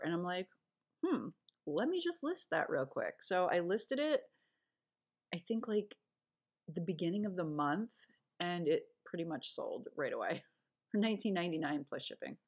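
A woman reseller casually recapping her recent sales over a screen recording, chatty and rambling with fillers and self-corrections. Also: sits low. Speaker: online reseller.

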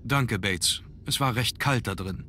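Low-voiced, reserved young gentleman. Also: a little hiss or hum. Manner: formal, deliberate, reserved. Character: brooding young aristocratic gentleman, reserved and courteous. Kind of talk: scripted video game acting.

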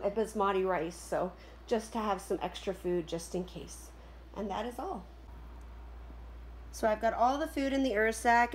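A woman's voice: mid-range voice, a little hiss or hum. A middle-aged woman from Canada in a casual camping vlog, chatting with many ums as she lists her gear, filmed on a nearby camera at home. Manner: chatty, many ums and uhs, listing items quickly. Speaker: camping vlogger. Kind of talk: casual show-and-tell vlog. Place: home room with wooden floor, indoors.

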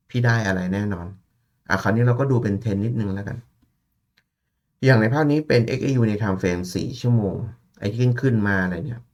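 A man's voice: fairly low pitch, a little mellow. A man giving a casual, chatty analysis of gold price charts, thinking aloud and addressing listeners familiarly.

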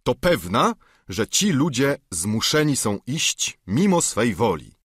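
A man's voice: mid-range voice, very animated, slow pace, breathy edge, no echo, studio quality, pitched above the performer's own voice, exaggerated voice. Don Quixote, a man doing a lofty old knight. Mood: indignant. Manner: formal, lofty. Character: courtly, grandiose aging nobleman knight. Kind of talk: audiobook character reading.

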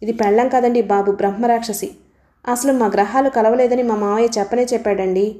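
A bitter, indignant husband, sarcastic and quick to anger, read by a woman narrator. The voice sits fairly high and sounds mellow, with a roomy echo around it. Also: fairly even intonation, natural voice. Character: angry, bitter man, a wronged husband.

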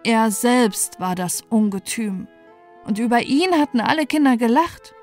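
A woman calmly reading a dark fairy tale aloud as a bedtime story, in a gentle, even manner. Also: fairly high pitch, unhurried. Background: soft background music.

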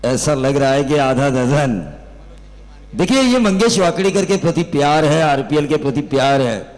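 A man's voice: medium pitch, a little mellow, in a large hall, poor audio. A man giving live cricket commentary, rhetorical and emphatic, asking questions and answering them himself. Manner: rhetorical, emphatic, quotes film dialogue for flair.

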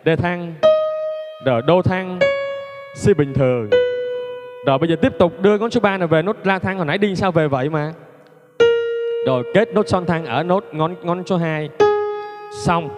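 A man's voice: a little high, normal speed, long pauses. A man giving a casual piano lesson, chatty and joking, laughing at himself between fingering steps. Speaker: piano teacher. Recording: long reverb, loud piano music.

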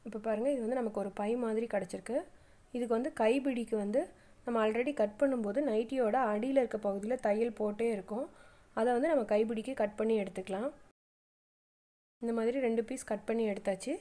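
A woman's voice: on the high side, a little fast, mellow. A middle-aged woman, narrating a step-by-step sewing tutorial with plain, patient instructions. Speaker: craft channel host.

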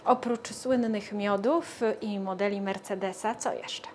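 A woman's voice: medium pitch, fairly even intonation, unhurried, slight background noise. A woman asks questions as a television interviewer in a studio. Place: TV studio, seated at a glass desk.

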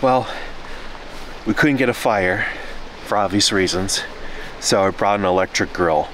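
The audio is poor, with slight background noise, as a man in his thirties vlogs alone from a parked car at night, the camera close by. His voice is a bit bright and measured, his manner glum, low-key, and self-mocking.

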